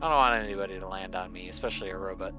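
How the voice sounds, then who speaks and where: A man's voice: sits low, rapid-fire. A man playing a tabletop roleplaying game, chatting casually and talking through his options tentatively, on dull audio. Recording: dull lo-fi audio under music.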